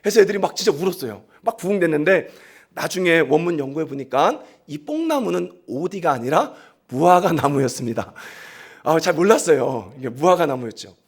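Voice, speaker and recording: Pastor, male, high and very animated voice, dramatic storyteller, sermon delivery. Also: brisk, breathy edge. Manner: talks straight to the congregation, asks them to repeat.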